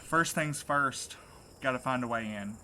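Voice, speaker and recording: Man playing an earnest, determined man, bright-voiced. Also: mid-range voice, measured pace, slight background noise. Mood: determined, tense. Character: determined, anxious young man set on rescuing his friend. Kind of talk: naturalistic audio drama acting.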